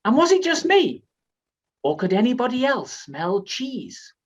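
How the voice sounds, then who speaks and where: A man's voice: very high-pitched, sing-song, unhurried, far from the mic, dull audio. A British man performing rehearsed comic storytelling in rhyme as a competition speaker, with a theatrical manner.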